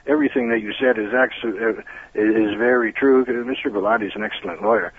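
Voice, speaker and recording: A man with a Toronto accent calling in to a radio show, talking earnestly with many "uh"s and pauses. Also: mid-range voice, expressive, vocal fry, husky, dry recording. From Toronto, Canada. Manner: earnest, halting, many fillers. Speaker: caller. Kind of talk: call-in phone chat. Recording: tinny phone line.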